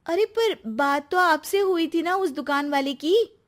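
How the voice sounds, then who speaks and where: A woman voicing a chatty, excitable young daughter-in-law in a storybook cartoon. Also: extremely high pitch, a little slow, voice pushed up. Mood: alarmed. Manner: excitable, boastful.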